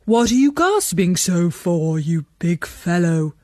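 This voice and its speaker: A woman voicing an old runaway donkey in a children's story, eager to be a musician, with a hearty, drawn-out delivery. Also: lowish voice, sing-song, dark tone, no echo, studio quality. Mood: hearty, encouraging.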